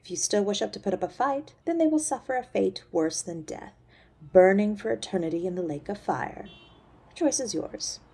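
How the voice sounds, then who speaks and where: A woman's voice: mid-range voice, animated, normal speed, gravelly, mellow, slightly rough. A woman playing a cruel, imperious centuries-old succubus mother in a scripted audio roleplay, mocking and menacing. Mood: cold threat.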